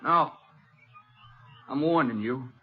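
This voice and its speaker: An actor playing a hot-tempered, flustered young American rancher in an old radio western. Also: male voice, medium pitch, takes it slowly, slightly rough, faint music behind. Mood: angry, defiant. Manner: agitated, stammering protest. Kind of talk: 1950s radio western acting. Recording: dull, noisy old radio recording.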